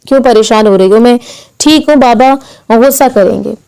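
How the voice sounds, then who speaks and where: A woman's voice: a little high, normal speed, gravelly, smooth. Woman voicing a tender young husband. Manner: gentle, calm.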